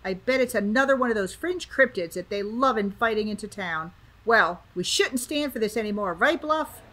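Audio drama villain, female actor: indignant small-town woman, higher pitch, strident and rallying. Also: expressive, normal speed, fairly bright tone, low-quality recording. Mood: agitated. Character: strident, bigoted townswoman rabble-rouser.

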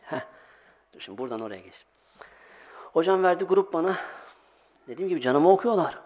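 Animated man telling stories in a sermon. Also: on the high side, brisk. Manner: animated anecdotes, acts out voices, laughs often. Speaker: religious teacher giving a monthly talk. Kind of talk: informal sermon with storytelling.

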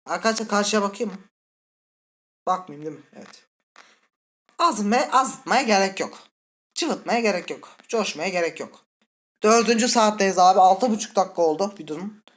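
Brief: male let's-play host, nervous and twitchy, swings from high yelps to low mutters, curses at the game, keeps asking the viewers things. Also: expressive, normal speed, pauses often. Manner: jittery, scared, muttering and cursing at the game; talks directly to viewers. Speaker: gaming channel host.

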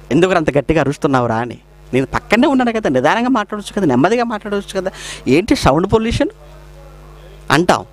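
A male preacher giving a sermon, asking rhetorical questions and slowing down to quote scripture. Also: on the high side.

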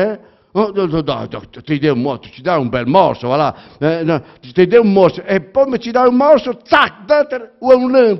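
A man with a Romagna accent reading a theatrical monologue aloud, halting and stammering, full of repetitions and fillers. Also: sits high. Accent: Romagna Italian. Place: public library reading event. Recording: dull lo-fi recording.

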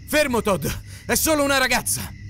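A man voicing a frantic, cowardly young man in an audiobook, shouting orders and panicked questions. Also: very high-pitched, big pitch swings, normal speed, a little hiss or hum, pitched above the performer's own voice, heavily acted. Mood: urgent.

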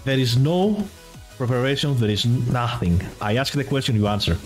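A man's voice: mid-range voice, animated, moderate pace. A man hosting a streamed quiz show in English, which is not his first language, playful and teasing, laughing often. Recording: music playing behind.

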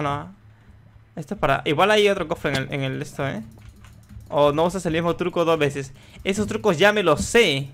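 A young man narrating his own gameplay on a desk mic, with a bright, forceful voice pitched a little high. He swears freely and bursts into shouts at the game. Faint keyboard clicks sit behind him. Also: slight background noise. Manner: excitable, swears a lot, yells at the game. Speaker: gaming youtuber. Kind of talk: live gameplay commentary.

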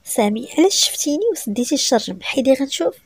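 A woman's voice: sits high, lively intonation, rapid-fire, slightly rough, no echo, exaggerated voice. A woman voicing a jealous, brooding young husband in a spoken story, with a Moroccan Arabic accent. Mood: suspicious.

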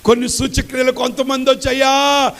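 High raspy-edged preacher guy, belts out hallelujahs then goes soft and tender. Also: measured pace. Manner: swings from shouted, sung exclamations to soft, low tender speech. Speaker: pastor. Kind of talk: sermon.

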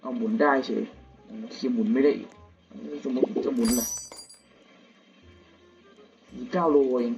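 A young man, still a student, giving casual gameplay commentary at home at night, slangy and crude with excitable outbursts. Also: medium pitch, a little slow, pauses often. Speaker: gamer. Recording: dull lo-fi audio with game music.

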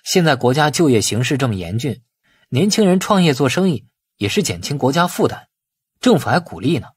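Man voicing a husky, affable young businessman. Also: medium pitch, big pitch swings, fairly quick, dry recording. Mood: gently persuasive. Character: shrewd, affable young businessman, eager to please elders.

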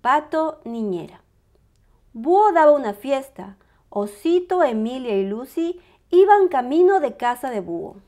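A woman reading a storybook aloud to young children in a bright, sing-song, welcoming manner. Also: sits high, big pitch swings, moderate pace.

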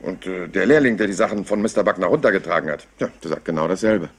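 A low-voiced, rumpled homicide inspector. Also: male voice, quick pace, slightly rough. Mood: thoughtful, stubborn. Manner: hesitant, folksy, digressive. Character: rumpled male homicide inspector, apologetic yet stubbornly probing. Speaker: actor dubbing a police inspector. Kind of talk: German crime drama dub, conversational acting.

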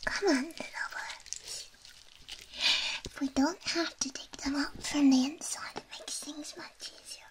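A woman in a whispered role-play as a quirky, soothing, slightly shady surgeon, talking gently and playfully as if giving personal attention. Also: high voice, steady tone, measured pace, long pauses, low-quality recording. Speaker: ASMR performer playing a doctor.

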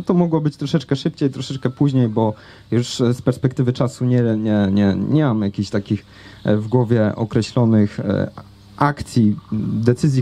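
A young man with a mellow, medium-pitched voice tells a personal story to an audience from an outdoor festival stage, holding a handheld mic. His talk is chatty and conversational, packed with fillers and hesitations.

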